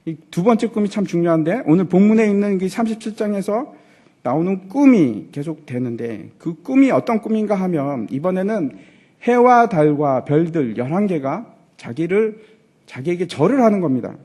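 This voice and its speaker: A man, a pastor, preaching an animated sermon in a church, asking the congregation questions and acting out quoted lines in character voices. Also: sits high, moderate pace, breathy edge. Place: church sanctuary.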